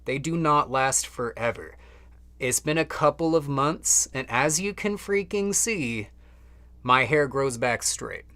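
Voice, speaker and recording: A man's voice: medium pitch, expressive, slow pace, sharp tone. A young man casually chatting on a live stream from home, loose and slangy with lots of fillers. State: slightly out of breath.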